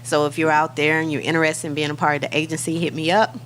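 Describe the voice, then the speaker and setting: A woman's voice: low voice, level tone, fast talker, a bit bright, a little hiss or hum. A woman, a talent agency head, talking casually about her agency and podcast as a guest. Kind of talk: casual chat.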